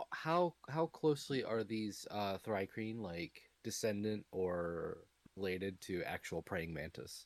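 A man with a fairly low pitch speaks fairly slowly, his voice swinging very widely in pitch. The recording is very clean and dry, with a silent background, no echo and a close sound. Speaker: tabletop roleplaying player. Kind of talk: tabletop roleplaying game.

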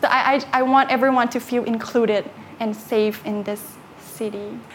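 With a Thai accent and fairly even intonation, a woman speaks at a fairly slow pace over noticeable background noise. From Bangkok, Thailand. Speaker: student. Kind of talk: recorded answer to interview questions.

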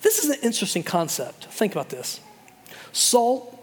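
With lively intonation, the man talks as noticeable background noise carries on around him. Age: 40s. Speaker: pastor. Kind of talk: sermon. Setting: church.

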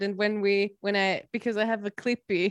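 A woman with a non-native accent speaks at a moderate pace and a fairly high pitch. The sound is dry and close with no echo, against a quiet background. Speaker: streamer and podcaster. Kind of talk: casual chat. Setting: live stream.

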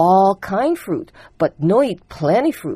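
A woman with a dark, mellow tone speaks at medium pitch, her pitch swinging very widely. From Hawaii, Kalihi-Palama, Honolulu. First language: Hawaiian Pidgin. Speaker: health writer. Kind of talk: scripted narration; reading aloud in Pidgin.

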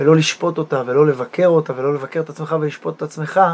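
An ordinary speaking voice from a man, fairly high in pitch with fairly even intonation and a fairly quick pace. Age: 40s. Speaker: documentary filmmaker. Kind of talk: interview. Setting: in person at his place.

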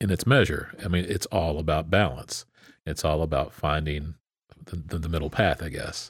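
A man with an American accent speaks at a moderate pace. His very deep, low pitch comes through somewhat breathy. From Ozarks, US. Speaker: radio host. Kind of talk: radio interview about a book. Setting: radio studio.

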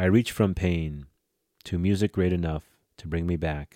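On a very clean recording with a silent background and a dry, close sound without echo, a man with an American accent speaks at a fairly slow pace in a very deep, low voice, his tone dark and mellow and his pitch variation ordinary. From New Jersey. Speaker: podcast host and poet. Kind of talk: jazz poem performed, read aloud with music. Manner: lyrical, measured, dreamy cadence.

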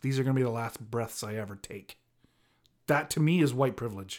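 Over a silent background in a very clean recording, a man talks in a plain, everyday voice at a medium pitch with lively intonation. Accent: Canadian. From southwestern Ontario, Canada. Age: 40s. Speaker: podcast guest. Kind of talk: casual chat.

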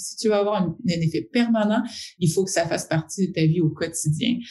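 This woman's voice sits fairly low and sounds somewhat breathy. She moves at a moderate pace with ordinary pitch variation. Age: 30s. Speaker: entrepreneur. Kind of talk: interview.

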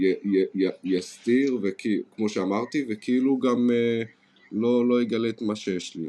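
Dark and mellow in tone, a man speaks at medium pitch with fairly even intonation. His pace is fairly slow over a quiet background. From Israel. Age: 20s. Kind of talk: interview about his life story.

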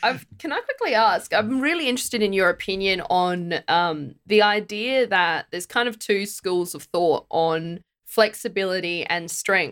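A normal speaking voice with lively intonation, a moderate pace and hardly any pauses. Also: woman, medium pitch for a woman. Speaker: podcast co-host, athlete. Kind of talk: interview.

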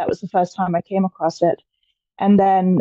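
In an English accent, a woman with a dark, mellow tone talks at a fairly quick pace, the sound dry and close with no echo. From England. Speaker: physical therapist and clinic owner. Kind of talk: casual interview chat.

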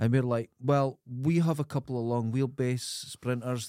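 In a Scottish accent, a man with a dark, mellow tone is heard in a dry, close sound with no echo on a very clean recording with a silent background. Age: 50s. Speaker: podcast co-host. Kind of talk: casual chat.

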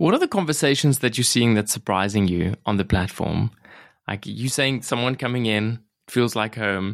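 Over a very clean recording with a silent background, a man talks at a fairly quick pace with a medium pitch and ordinary pitch variation. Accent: South African. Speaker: podcast host, financial planner. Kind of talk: podcast interview. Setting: studio.

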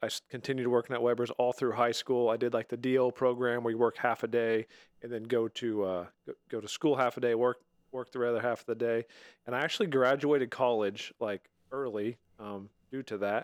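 An unremarkable speaking voice comes at a moderate pace with fairly even intonation, in a very clean recording with a silent background and a dry, close sound with no echo. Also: man. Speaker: powersports shop owner and mechanic. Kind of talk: casual chat.

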